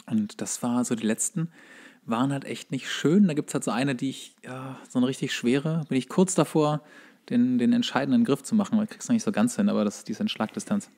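A man with a medium-pitched, somewhat dark voice co-hosts a podcast. His talk is casual and comedic, jokey, colloquial and rambling.

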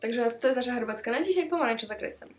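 A woman's voice: on the high side, lively intonation, racing, a little hiss or hum. A teenage girl chatting cheerfully as she unboxes gifts in a casual vlog, with many small hesitation sounds, recorded in her bedroom on a camera mic. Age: teens. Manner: chatty and cheerful, with frequent "e" fillers. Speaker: vlogger.

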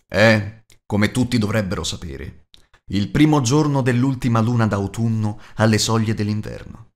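A man voicing a proud, solemn male dwarf lord of ancient lineage in a declamatory audiobook style. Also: fairly low pitch.

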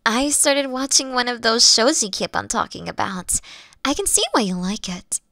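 High, lilting, playful fox-girl girlfriend played by a woman. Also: animated, moderate pace, pushed and bright, no room sound, clean studio sound, exaggerated voice. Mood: playful, affectionate. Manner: teasing, cooing, breathy asides. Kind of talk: intimate girlfriend roleplay audio.

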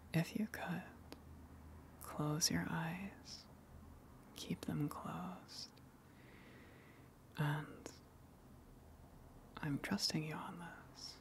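A woman playing a gentle, lonely sea monster in an ASMR roleplay, coaxing softly in a breathy, soothing whisper. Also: deep voice, exaggerated voice. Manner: slow, soothing, coaxing, long pauses.

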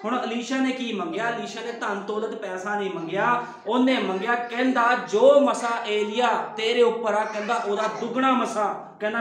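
A man's voice: high voice, a bit bright. A pastor, a man, preaching a sermon full of rhetorical questions. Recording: very echoey room.

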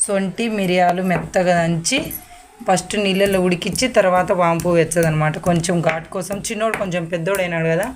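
A woman's voice: on the low side, fairly even intonation, fast talker, far from the mic. A woman from India chatting casually as a vlogger, explaining a home remedy step by step. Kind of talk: casual vlog narration. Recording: echoey room, off-mic, noisy.

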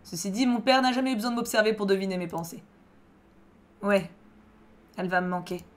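A woman reading aloud the lines of a young male French singer, a tender lover, in a plain calm voice. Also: medium pitch, a little fast, close to an everyday voice. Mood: wistful. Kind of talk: reading visual novel dialogue aloud.

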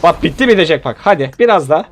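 A young man giving casual, animated gameplay commentary, pleading with and exclaiming at the game as he plays. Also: on the high side, rapid-fire, a little hiss or hum. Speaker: gaming YouTuber.

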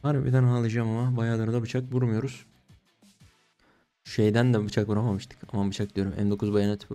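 Slangy young man, excitable gaming commentary. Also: lowish voice, moderate pace. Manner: slangy, excitable, pleading and groaning at results. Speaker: case-opening streamer. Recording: faint music behind.

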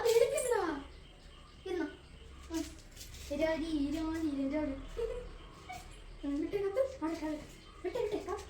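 A woman with a very high, light voice coaxes her pet bird in sing-song baby talk. Between coaxes she chats casually to the camera about the bird's habits. The phone recording is outdoors in a garden, with plain outdoor noise behind her. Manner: coaxing baby talk to a pet bird, mixed with chatty explanation. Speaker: pet vlogger.

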